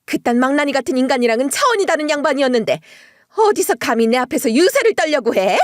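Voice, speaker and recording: Woman playing a shrill, furious mother-in-law. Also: sing-song, fast, no echo, studio quality. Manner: screeching, scolding. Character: bitter older mother-in-law, shrill and contemptuous.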